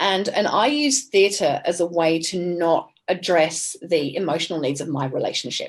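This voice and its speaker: A woman of medium pitch speaks with an Australian accent. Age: 40s. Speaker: nurse and community theatre director. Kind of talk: podcast interview.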